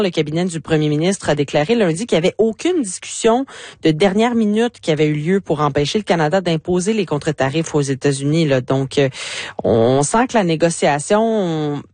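A woman with a Québécois French accent giving a morning press review on radio, brisk and informative with occasional stumbles. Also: lowish voice, darkish tone, dry recording. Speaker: radio news columnist.

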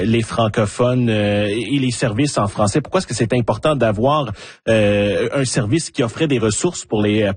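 A man hosting a radio interview, asking polite, measured questions. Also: mid-range voice, slightly rough, no room sound.

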